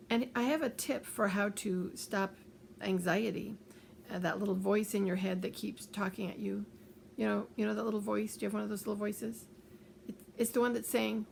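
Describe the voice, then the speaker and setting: An older woman giving gentle, calm advice, repeating reassuring phrases. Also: medium pitch, gravelly, a little hiss or hum. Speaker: author giving coping advice. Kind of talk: calm advice talk to camera.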